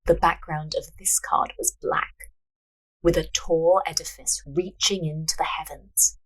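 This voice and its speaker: A woman's voice: low-pitched, steady tone, a little slow, a bit bright, slightly rough, rough recording. A woman hosting a story podcast, moving between narration and casual banter. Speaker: podcast host, writer and narrator.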